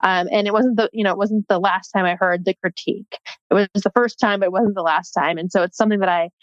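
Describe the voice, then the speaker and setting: A woman sports reporter talking as a guest in a casual interview, chatty and quick to laugh, with lots of "like" fillers. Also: medium pitch, steady tone, no room sound, dull audio.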